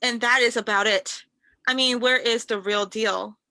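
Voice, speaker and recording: A woman playing an arrogant, scornful wrestling prince in a staged promo reading, taunting haughtily and haltingly. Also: fairly high pitch, steady tone, bright, forceful tone, no room sound. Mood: scornful, boastful.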